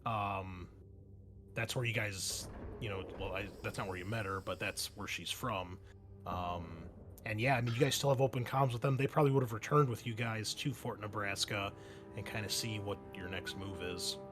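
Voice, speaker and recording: Game master explaining with music behind him. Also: male voice, lowish voice, normal speed. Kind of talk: improvised narration of a tabletop game.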